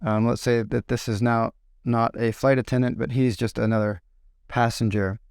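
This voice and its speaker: A man, an English teacher and podcast host, giving a casual spoken lesson, explaining slowly with examples. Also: mid-range voice, little pitch movement, a little mellow, clear, resonant tone, no room sound, studio quality. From California.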